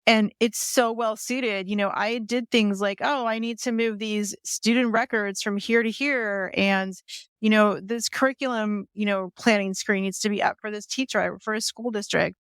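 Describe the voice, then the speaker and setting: A woman's voice: medium pitch, fairly even intonation, normal speed, fairly bright tone, clean tone, dry recording. A woman guest on a podcast, speaking earnestly and thinking aloud about her work. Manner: earnest, thinks aloud with fillers like "you know". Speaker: guest, software company founder. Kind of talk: casual conversation.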